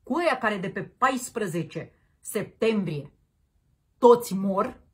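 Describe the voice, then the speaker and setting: A woman's voice: medium pitch, expressive, husky. A woman hosting a political commentary show, ranting in a combative, crude and mocking way. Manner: combative, crude and mocking, peppered with slang address.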